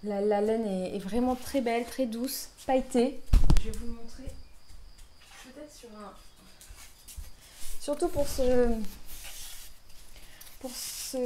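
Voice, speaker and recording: A woman's voice: on the high side, slow pace, pauses often, warm tone, a little hiss or hum. A woman hosting a knitting podcast, talking casually with lots of fillers and restarts. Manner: hesitant, many fillers and restarts. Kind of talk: casual chat.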